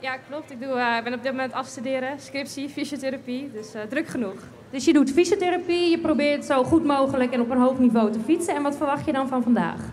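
Delivered at a very fast pace with hardly any pauses, the speech has big swings in loudness and ordinary pitch variation over light background noise. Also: woman, high pitch for a woman. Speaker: stage interviewer. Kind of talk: on-stage interviews. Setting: stage outdoors with audience. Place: stage. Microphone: handheld.

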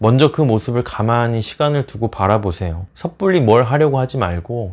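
Against a quiet background, a man with a plain, everyday voice speaks at a moderate pace and medium pitch with lively intonation. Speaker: psychotherapist. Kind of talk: solo video talk to camera. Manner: gentle, warm.

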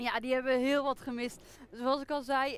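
The voice moves at a moderate pace with ordinary pitch variation, and the sound is dry with no echo. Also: woman. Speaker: field reporter. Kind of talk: live commentary. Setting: outdoors. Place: street. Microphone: headset.

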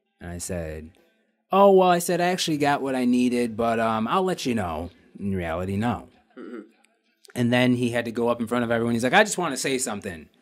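A man's fairly quick speech with very wide pitch swings, over faint background music. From Michigan. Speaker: local news reporter. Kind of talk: casual chat. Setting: studio. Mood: joking, relaxed. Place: studio. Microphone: studio mic.

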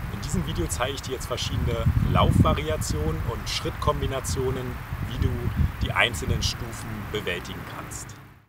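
Amid loud background noise, a man speaks at a moderate pace, the sound dry with no echo. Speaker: fitness coach. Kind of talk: tutorial intro. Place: street. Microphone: camera far.

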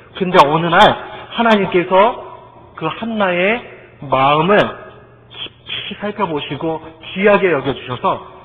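With noticeable noise behind him, a man talks very slowly. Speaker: preacher. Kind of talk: sermon for children. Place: church.

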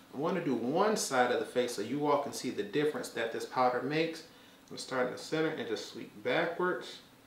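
A man's fairly high voice at a fairly quick pace, with audible room echo and light background noise. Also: lively intonation. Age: 30s. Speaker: makeup YouTuber. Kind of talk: makeup tutorial. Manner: animated. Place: home room.

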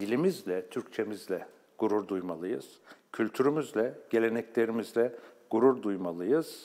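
At a fairly slow pace, a man with a medium pitch and a dark, mellow tone speaks with lively intonation. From Turkey (Ankara). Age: 50s. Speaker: theatre director and actor; actor. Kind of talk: TV interview. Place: studio. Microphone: lapel.

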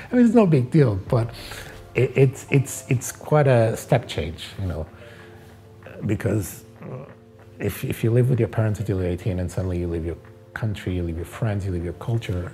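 Faint background music under a man's fairly low voice, at a moderate pace with long, frequent pauses. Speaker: interviewee. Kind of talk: interview answer. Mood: reflective, occasional laughs. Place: home room. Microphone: lapel.

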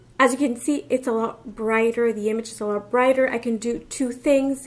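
A woman talks with a high pitch. There is light background noise behind her. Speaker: beauty vlogger. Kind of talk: casual review chat. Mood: mildly annoyed, chatty. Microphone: phone near.

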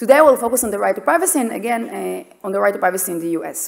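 Her intonation rises and falls in a lively way. The woman's delivery is very fast. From Israel. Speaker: law researcher. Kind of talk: conference presentation. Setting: stage with audience. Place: home room. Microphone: webcam.

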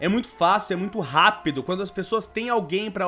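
A man with a high pitch talks at a moderate pace. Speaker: gaming YouTuber. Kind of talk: gameplay commentary.

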